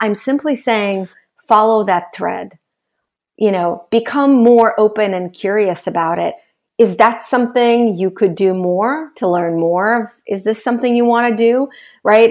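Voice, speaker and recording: Ordinary pitch variation runs through speech delivered fairly slowly. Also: woman. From former Soviet Union, moved to US at 13. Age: 40s. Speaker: entrepreneur and public speaker. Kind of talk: interview.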